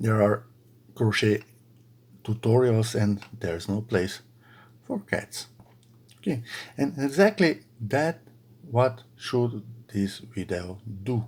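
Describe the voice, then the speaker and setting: Speaking very slowly in a Slovenian accent, the voice sounds somewhat breathy, with ordinary pitch variation. Long, frequent pauses break up the speech. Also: man, medium pitch for a man. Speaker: crochet video creator. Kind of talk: casual chat to followers. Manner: halting, with filler words.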